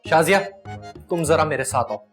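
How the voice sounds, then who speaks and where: A man's voice: on the high side, moderate pace, music in the background, lightly acted. A man with a Pakistani Urdu accent playing a dutiful son who tries to soothe his mother and his wife. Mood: soothing.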